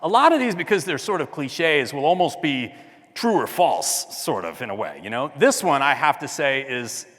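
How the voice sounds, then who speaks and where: A man with a naturally loud speaking voice, set a little high and moving lively up and down, presents slides at a design conference. He talks to the audience in a chatty way and keeps asking them questions. His voice carries through a large hall with a long reverb tail. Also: moderate pace.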